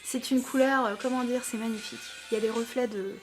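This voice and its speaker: A high, bright-sounding woman with a French accent talks in an eager, chatty way, often pausing on fillers. She reviews beauty products for her viewers. Music plays clearly behind her voice. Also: fairly even intonation. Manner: enthusiastic, chatty, many fillers. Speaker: beauty vlogger.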